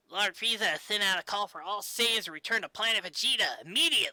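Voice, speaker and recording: A man does a put-on character voice, high-pitched and very fast, with ordinary pitch variation. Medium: read story. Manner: hesitant.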